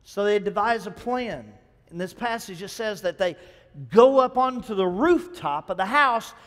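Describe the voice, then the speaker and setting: A male pastor preaching a sermon, retelling a story in an animated way and calling on the congregation to answer. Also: high-pitched, in a large hall.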